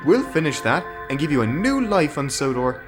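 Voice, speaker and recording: A man voicing a cheerful, eager young male tank engine, talking in a bright, friendly way, with music behind. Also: on the high side, very animated, moderate pace, voice pushed up. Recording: background music.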